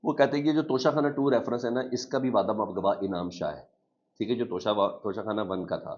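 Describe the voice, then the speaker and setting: A man with a Pakistani Urdu accent talks through the news in a relaxed, conversational way and explains what each report means. His voice sits very low. The recording is dull and lo-fi. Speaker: news commentator. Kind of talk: casual news commentary. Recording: dull lo-fi audio.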